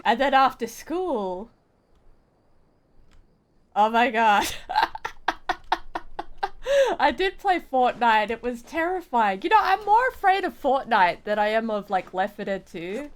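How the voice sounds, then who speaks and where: A woman's voice: fairly high pitch, sing-song, slow pace, pauses often. A woman chatting casually on a gaming livestream, playful and often repeating her phrases. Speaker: game streamer.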